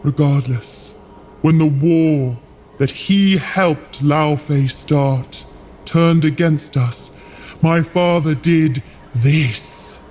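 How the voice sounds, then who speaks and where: An actor playing a solemn frost giant advisor in an audio drama, speaking with grave deliberation. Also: male voice, a little high, extremely slow, a little mellow. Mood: somber, reflective. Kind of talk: dramatic audio fiction acting. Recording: faint music behind.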